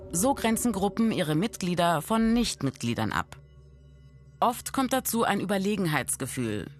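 A woman narrating a scripted documentary in a calm, even read-out delivery. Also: on the low side.

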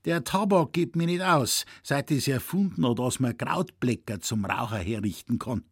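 Bent old Bavarian woodsman, read by a man, quavering, plaintive, with a husky dry voice. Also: medium pitch, moderate pace, no room sound, lightly acted. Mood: lamenting. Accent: Bavarian dialect. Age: older. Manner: complaining, then effusive and excited. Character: stooped old Bavarian hunter, frail and lamenting.

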